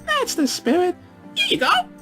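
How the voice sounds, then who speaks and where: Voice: very high voice, huge pitch swings, moderate pace, pushed and bright, faint music behind, voice pushed up, full character voice. A narrator voicing a bubbly, hyperactive young pink pony mare in a storybook reading, squealing and gushing. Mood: cheery.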